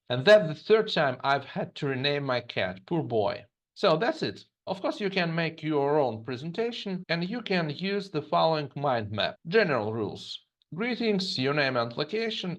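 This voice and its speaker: A man from Germany, an English teacher, narrating a scripted lesson and reading example phrases slowly and twice. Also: mid-range voice, fairly bright tone. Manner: reads example phrases slowly and repeats them.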